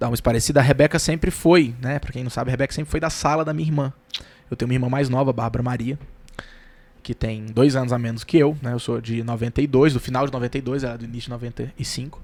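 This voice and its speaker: Animated in tone, a man talks at a very fast pace with a medium pitch. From Brazil, Brasília. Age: 30s. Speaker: teacher and podcast host. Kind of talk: casual chat.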